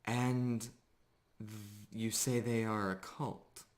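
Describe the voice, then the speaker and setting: A man voicing a composed, stern female night elf commander in a fantasy tabletop game, questioning in a measured, clipped way. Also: fairly low pitch, little pitch movement, voice pushed up. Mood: probing.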